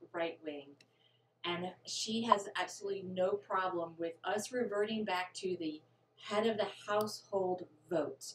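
A woman speaks at a fairly slow pace with ordinary pitch variation, with audible room echo and light background noise. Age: 50s. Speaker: podcast co-host. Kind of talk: casual chat. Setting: studio. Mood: earnest, opinionated. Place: home room.

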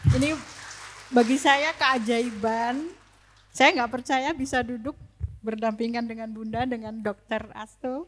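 Over light background noise, a high-pitched woman speaks at a fairly slow pace with fairly even intonation. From Yogyakarta, Indonesia; Indonesia. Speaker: audience member sharing problem; audience member. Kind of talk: personal testimony. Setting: stage with audience. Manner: halting. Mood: earnest, troubled personal story. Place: hall. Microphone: handheld.

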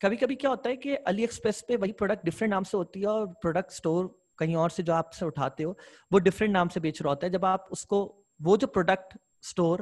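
Ordinary pitch variation in a man's high voice. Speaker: online course instructor. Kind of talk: lecture. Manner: casual, code-switching with English.

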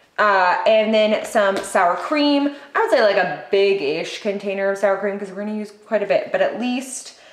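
A woman speaks at a moderate pace with ordinary pitch variation. Room echo is audible. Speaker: home cooking vlogger. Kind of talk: casual cooking tutorial. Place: kitchen. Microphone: camera far.

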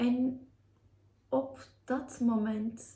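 Speaking in a Turkish accent, a woman has a dark, mellow, somewhat breathy tone. Her intonation is monotone and flat. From Turkey. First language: Turkish (speaking Dutch). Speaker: language learner. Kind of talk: homework presentation. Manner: halting.

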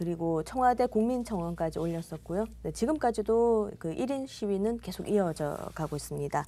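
With lively intonation and a dark, mellow tone, a woman speaks at a moderate pace with hardly any pauses. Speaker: reporter panelist. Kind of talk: news discussion. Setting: studio. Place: studio. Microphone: lapel.

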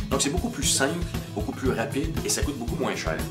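A man speaks over loud music in the background. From Quebec, Canada. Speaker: voice actor. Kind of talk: casual talk to camera. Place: studio.

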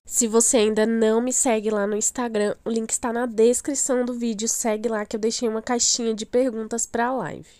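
A woman talks in a dark, mellow tone with monotone, flat intonation. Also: moderate pace. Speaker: YouTuber and frozen dessert business instructor. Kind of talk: tutorial.

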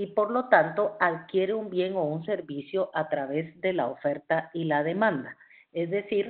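The background stays quiet. Words come at a fairly slow pace. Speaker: teacher. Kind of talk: lecture. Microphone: video call.

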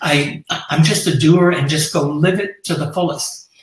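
A man's voice with ordinary pitch variation, audible room echo and a quiet background. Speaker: guest. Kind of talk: interview answer. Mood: upbeat, earnest. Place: home room.

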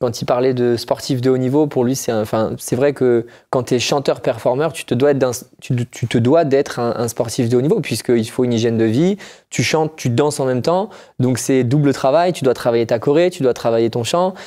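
A man speaks at a moderate pace with a dark, mellow tone. His pitch varies in an ordinary way over a quiet background. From Brittany, France. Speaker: singer and dancer, talent show contestant; interview guest. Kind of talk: casual interview. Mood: relaxed, warm, emotional in parts. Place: studio. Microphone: lapel.

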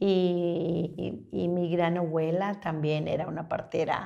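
A woman is speaking. The background is quiet. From Mexico. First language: Spanish (speaking Czech). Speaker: traditional midwife; guest. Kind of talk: interview. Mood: warm, calm. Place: studio.

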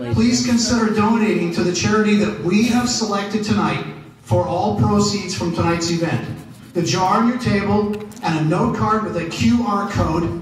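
With an American accent, a man speaks at a moderate pace in a high pitch with ordinary pitch variation, amid audible room echo and light background noise. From Oregon. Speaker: former radio host, state legislator. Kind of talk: event emcee monologue. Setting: live event hall, audience. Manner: joking, casual. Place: hall.

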